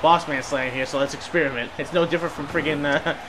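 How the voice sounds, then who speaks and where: A man casually commenting over a wrestling video game, excitable, laughing often and swearing. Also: fairly high pitch, fast, noisy background. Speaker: gameplay video host. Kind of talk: casual let's-play commentary. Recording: voice over loud game music.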